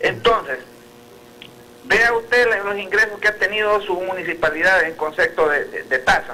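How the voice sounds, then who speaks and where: A man's raised, projected voice, high in pitch with ordinary pitch variation and a moderate pace, over noticeable background noise. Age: 60s. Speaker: lawyer. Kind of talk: heated debate. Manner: animated.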